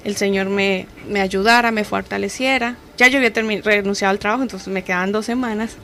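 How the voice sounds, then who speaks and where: A woman's voice: mid-range voice, steady tone, fast, pushed and bright, slight background noise. A woman with a Colombian accent telling her personal testimony as a guest on a radio programme.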